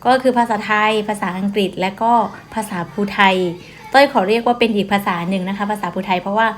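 A woman's voice: mid-range voice, fairly even intonation, a little fast. A woman chatting patiently and politely to her viewers from a car. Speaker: vlogger. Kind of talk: casual chat to camera.

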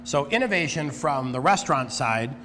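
A man's voice: a little high, expressive, moderate pace, bright, forceful tone, in a large hall, a little hiss or hum. A man in his forties co-hosting a cooking segment, chatting eagerly and chiming in with reactions. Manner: enthusiastic, interjecting reactions. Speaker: co-host chef. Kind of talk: casual chat. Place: studio kitchen.

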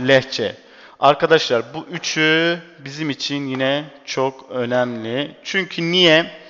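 A man's voice: on the high side, a bit bright. A male teacher giving an exam-prep lecture, repeatedly asking rhetorical questions and answering them himself. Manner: quizzing with rhetorical questions, repetitive. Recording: dull echoey classroom recording.

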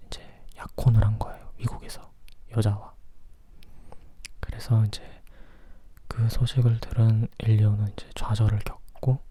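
Very soft, dark breathy whisper. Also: mid-range voice. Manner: whispering softly, as if leaning in close. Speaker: film review vlogger. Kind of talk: whispered ASMR film review, chatty.

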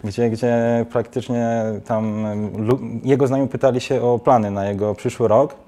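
A man's voice: medium pitch, fairly even intonation, moderate pace, mellow. A young man in his twenties, a guest in a TV studio, talking casually with many restarts and fillers. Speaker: guest, student trip organizer.

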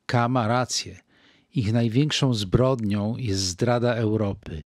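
An older man reading a wartime diary aloud in a measured, grave manner, with deliberate pauses. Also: mid-range voice, a little mellow, dry recording, studio quality. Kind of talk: slow reflective diary reading.

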